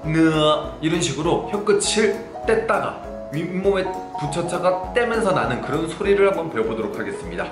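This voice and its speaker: A Korean man teaching Chinese pronunciation in a casual online lesson, drilling syllables slowly one by one. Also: fairly high pitch, big pitch swings, over music. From South Korea. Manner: slow, drawn-out drilling of syllables, looking at the screen. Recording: echoey room, faint ambience.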